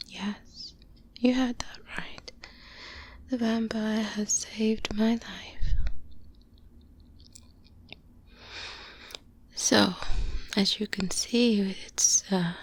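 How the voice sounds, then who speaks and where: A woman playing a seasoned, guarded vampire hunter mentor in an ASMR roleplay, speaking in a breathy whisper with measured, deliberate pauses, close to a binaural mic. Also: mid-range voice, fairly even intonation, a little hiss or hum. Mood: confiding, careful. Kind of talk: soft-spoken ASMR roleplay monologue. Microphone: close-up binaural microphone.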